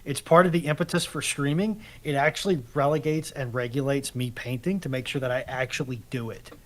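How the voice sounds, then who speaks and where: A man's voice: medium pitch, fairly even intonation, fairly quick. A man bantering casually as a panelist on a live stream, wry and mock-exasperated.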